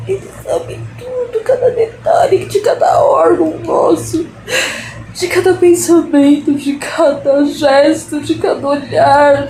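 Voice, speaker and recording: Tearful, slow-speaking woman in a roomy space. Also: high voice, dark tone. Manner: tearful, laughing through tears, repeats phrases. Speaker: artist sharing her faith. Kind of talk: emotional devotional vlog. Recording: roomy echo with faint background noise.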